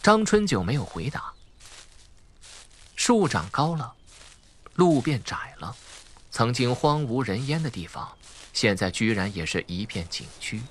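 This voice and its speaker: A man's voice: medium pitch, very animated, a little slow, long pauses, fairly bright tone. A man with a Mainland Chinese Mandarin accent narrating a suspense audiobook in a theatrical, dramatic way. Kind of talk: dramatic scripted narration of a crime thriller.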